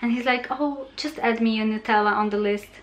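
A woman's voice: a little high, fairly even intonation, a little fast, rough recording. A young woman talking casually and chattily in an informal vlog style, recorded on a handheld camera in a home kitchen. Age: young adult. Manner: chatty and informal, small laughs between remarks. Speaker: vlogger.

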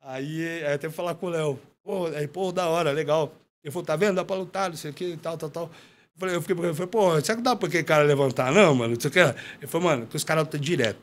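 Guy rattling off a fight story quick, slangy, slightly high voice, does the other people's lines. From Brazil. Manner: animated, slangy, acts out quoted dialogue. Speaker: podcast guest, former MMA fighter. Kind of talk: casual storytelling chat.

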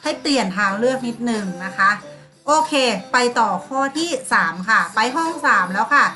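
A woman teacher leads a class of young pupils, calling on them by name and acting out polite sample replies. Her voice sits fairly high and sounds bright and clear. Soft music plays faintly behind her. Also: expressive, normal speed. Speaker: primary school teacher. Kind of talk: online class lesson.

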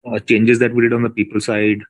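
A man speaking as a company executive, giving measured, hesitant answers on an earnings call. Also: medium pitch, completely flat delivery, no room sound. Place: conference call.

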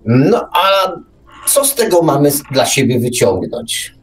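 A male radio host in a casual, reflective literary discussion, often halting and repeating himself. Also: a little high, very animated.

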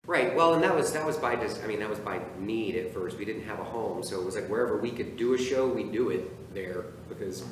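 A man's voice: lowish voice, a little fast, hardly any pauses. A man, a theater director, chatting casually in an interview and gesturing as he talks. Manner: animated, talks with his hands, many restarts. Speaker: theater artistic director, guest. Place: theater stage. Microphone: far camera. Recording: echoey stage from far off with noise.

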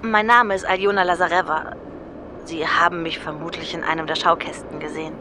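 A woman's voice: fairly low pitch, steady tone, brisk, a crowd in the background, natural voice. An actress playing an earnest, concerned young woman in a German audio drama. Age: young adult. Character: young female model, earnest and concerned for a friend.

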